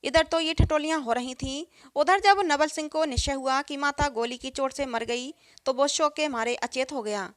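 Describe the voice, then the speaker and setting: Woman storyteller, high pitch, dry close sound; reads all the roles herself. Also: normal speed, dry recording. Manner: reads every role in one even storytelling voice. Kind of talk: scripted story narration.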